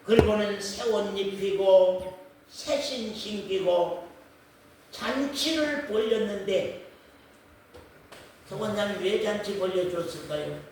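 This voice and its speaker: A man's voice: sits high, lively intonation, takes it slowly, long pauses, darkish tone, a little hiss or hum. A male pastor preaching to his congregation, repeating key phrases with emphasis and asking the listeners questions. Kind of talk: sermon to a congregation. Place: church sanctuary. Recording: echoey hall, mic far off.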